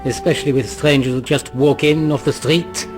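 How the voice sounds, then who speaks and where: A man's voice: fairly high pitch, fairly even intonation, normal speed, music in the background, close to an everyday voice. A man playing a sly, guarded black-market dealer in a video game, with an insinuating delivery. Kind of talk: video game cutscene voice acting.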